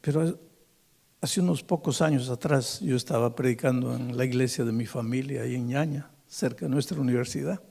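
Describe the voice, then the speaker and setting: An older male pastor telling a story in a sermon, acting out the dialogue and building to loud, passionate peaks. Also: medium pitch, brisk, creaky, breathy edge. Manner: animated, acts out dialogue, builds to loud climaxes.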